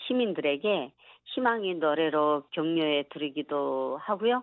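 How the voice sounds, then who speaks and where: A woman with an ordinary speaking voice, fairly low pitch, lively intonation and a fairly slow pace. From North Korea (Chongjin). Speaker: North Korean defector. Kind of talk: radio interview. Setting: phone call.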